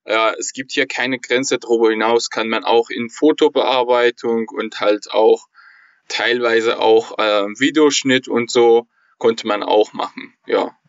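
A young man from Iran, talking casually as a podcast guest in German, pausing often with fillers as he searches for words. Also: mid-range voice, fairly even intonation, clean tone, no echo, lo-fi sound. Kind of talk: casual interview conversation.

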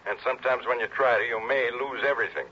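A man's voice: mid-range voice, fairly even intonation, quick pace, breathy edge, close to an everyday voice. An actor playing a friendly insurance agent in a 1960s radio drama, bantering with his investigator. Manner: teasing, then earnest. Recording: dull vintage radio broadcast.

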